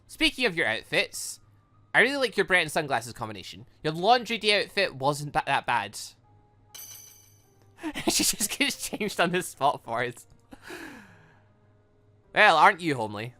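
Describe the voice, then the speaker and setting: Male gaming host, bright forceful voice, lively swings in pitch, close dry sound with faint music underneath. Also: measured pace, long pauses. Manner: excitable, animated, thinking aloud. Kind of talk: let's play commentary, reading game dialogue aloud.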